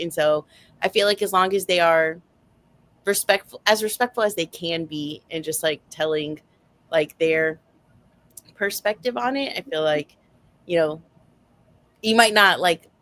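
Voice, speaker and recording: Slightly low-voiced woman, chatting informally. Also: a bit bright. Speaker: book club panelist. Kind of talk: casual chat.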